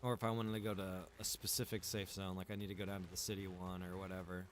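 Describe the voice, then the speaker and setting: A man's voice: low-pitched, flat delivery, fast, slight background noise. A man chatting casually and thinking aloud as he hosts a gaming livestream. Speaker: livestream host, gamer.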